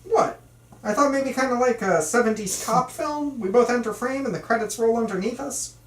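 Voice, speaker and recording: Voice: mid-range voice, moderate pace, slight background noise. A person reading a supporting part at an amateur script table read in a casual, questioning way. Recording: echoey room, distant from mic.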